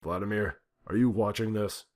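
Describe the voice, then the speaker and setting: A man voicing a furious, foul-mouthed male president who shouts and swears. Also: on the low side, steady tone, moderate pace, voice pushed up, natural voice. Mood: raging. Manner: shouting, cursing.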